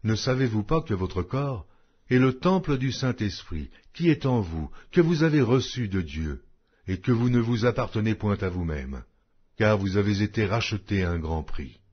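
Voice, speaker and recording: A man's voice: on the low side, lively intonation, normal speed, husky. A man narrating a Bible audiobook in a solemn, declamatory way, reading scripted text with emphatic phrasing. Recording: dull, lo-fi audio.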